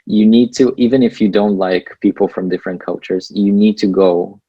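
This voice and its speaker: A man's voice: fairly low pitch, moderate pace, breathy edge, dry recording, muffled recording. A young man from Bulgaria with a Bulgarian accent, speaking English as a second language and giving earnest advice as a guest in a casual interview. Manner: relaxed, earnest, laughs between points. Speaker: guest, PhD student.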